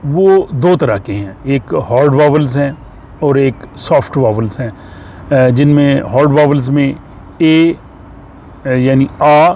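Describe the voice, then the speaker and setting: A man teaching a language lesson, explaining slowly and patiently with frequent pauses and fillers. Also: medium pitch, mellow, a little hiss or hum. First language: Urdu.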